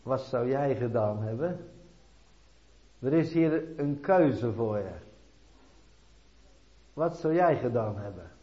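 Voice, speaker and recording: Dutch-speaking preacher on a lo-fi recording. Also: male voice, medium pitch, animated, slow, long pauses. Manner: questions the listener directly, dramatic swings in loudness. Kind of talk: sermon. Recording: dull lo-fi recording.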